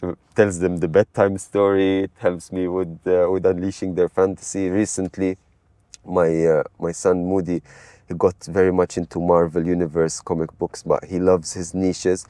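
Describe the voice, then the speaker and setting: Middle-aged man from Malta, guest: low voice, rambling and animated, casual chat. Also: normal speed, no echo. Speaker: guest, AI expert.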